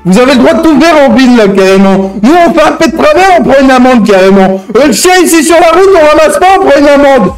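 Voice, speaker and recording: A man's voice: very high-pitched, animated, quick pace, hardly any pauses, soft background music, poor audio. A man playing an aggrieved, crude, threatening hostage-taker out for revenge in an improvised online game roleplay, swearing and repeating his verbal tics. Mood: indignant. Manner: verbal tic-laden, crude, ranting, swearing.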